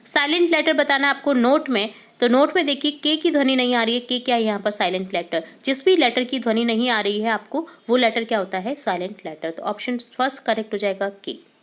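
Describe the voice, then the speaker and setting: A woman's voice: a little high, a bit bright. Woman teacher explaining quiz answers. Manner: explains step by step, asks questions then answers them; reads English questions slowly and deliberately. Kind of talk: quiz answer walkthrough lesson.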